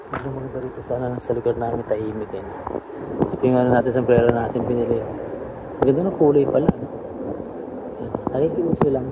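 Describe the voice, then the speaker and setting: A relaxed man from the Philippines vlogs outside by his car at a middle pitch, chatting easily as he points things out to the camera. Loud outdoor noise runs steadily underneath him. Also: brisk, long pauses, phone-quality sound. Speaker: vlogger. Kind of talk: casual vlog narration. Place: outdoors by the family car near home.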